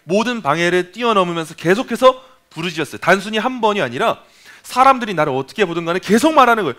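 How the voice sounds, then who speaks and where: A man preaching a sermon at a Friday evening prayer meeting, emphatic and animated, acting out voices. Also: sits high, fast talker.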